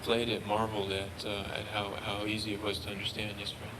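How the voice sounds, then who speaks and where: A man presenting research and answering questions, halting and often repeating words. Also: lowish voice, completely flat delivery. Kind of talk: research talk Q&A. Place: lecture room. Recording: noisy room recording.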